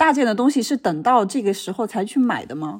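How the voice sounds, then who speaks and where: A woman with a slight Shanghai accent, a moderate pace and very wide pitch swings. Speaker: clothing brand co-founder. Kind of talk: casual chat.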